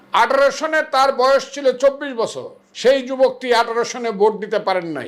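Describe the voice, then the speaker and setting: A man's extremely high voice with fairly even intonation. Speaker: political commentator. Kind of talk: political commentary monologue.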